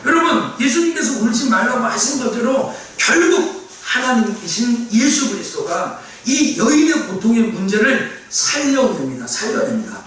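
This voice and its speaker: A man preaches a sermon with a high, lively voice and presses his points by repeating key phrases and sometimes raising his voice to a shout. He is heard from a distance in a large, echoing church hall. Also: moderate pace, hardly any pauses, a little hiss or hum. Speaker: pastor. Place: church sanctuary. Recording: echoey church hall from far off, faint ambience.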